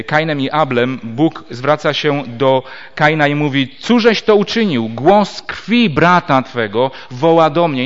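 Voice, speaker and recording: A man preaching a Bible teaching sermon. He explains step by step and reads scripture aloud with measured pauses. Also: a little high, a bit bright. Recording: dull lo-fi recording.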